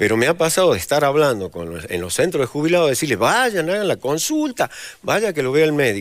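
Over a quiet background, a man speaks fairly quickly with very wide pitch swings, the sound dry with no echo. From Argentina. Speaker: medical doctor; guest. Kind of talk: TV interview. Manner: conversational. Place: studio. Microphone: lapel.

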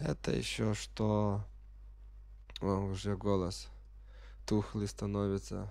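A man's very slow speech with long, frequent pauses. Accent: strong non-native. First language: not Russian (speaking Russian). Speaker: gaming video creator. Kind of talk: let's play commentary. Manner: halting.

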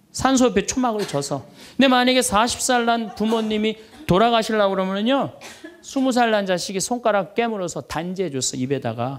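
This man's voice is high-pitched, with an animated tone. His intonation is lively. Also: moderate pace. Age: 60s. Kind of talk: lecture to a live audience. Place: hall. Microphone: handheld.

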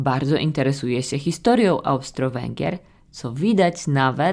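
A woman with a very deep, low pitch speaks at a very slow pace with lively intonation. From Poland. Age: middle-aged. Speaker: Polish language teacher, podcast host. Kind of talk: educational podcast monologue.

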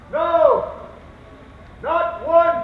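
A loud man with an American accent, his pitch extremely high, amid audible room echo. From United States. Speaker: street preacher, evangelist. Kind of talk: loud public preaching of scripture. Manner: loud, projecting. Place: street.

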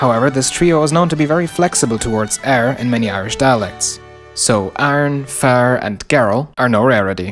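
Over clear background music, a man talks at a fairly quick pace with very wide pitch swings. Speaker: linguistics video host. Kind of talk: educational commentary narration.

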